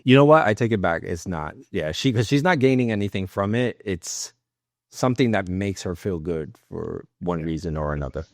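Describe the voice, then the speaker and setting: Male podcast panelist, low register with very lively intonation, casual and halting, dry sound. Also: dry recording. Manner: informal, halting as he gathers thoughts. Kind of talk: casual panel discussion with personal anecdotes.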